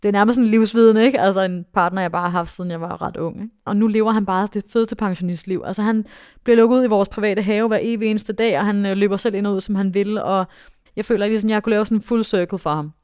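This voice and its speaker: A young woman, a dressage rider, telling a story in a casual interview with lots of fillers and bursts of excitement. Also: mid-range voice, clear, resonant tone, dry recording, clean studio sound. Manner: animated, excitable, many fillers.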